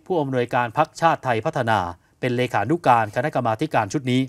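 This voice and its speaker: A man co-hosting an evening news show, explaining political events in an animated conversational way, asking rhetorical questions and acting out what others said. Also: mid-range voice, fast talker, no echo. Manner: animated, asks rhetorical questions, acts out quotes. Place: television studio.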